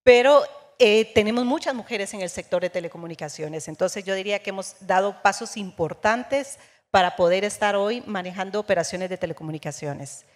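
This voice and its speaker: Woman from guatemala answering on a panel, steady and fluent, long echo of a big hall. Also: medium pitch, fairly quick. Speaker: panelist, telecom executive. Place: conference stage.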